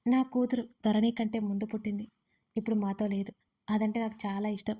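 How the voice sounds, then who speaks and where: A woman storyteller voicing a worried middle-aged mother who keeps gently coaxing answers. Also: mid-range voice, flat delivery, a little fast, breathy edge, lightly acted. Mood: sad. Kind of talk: audio story character voice.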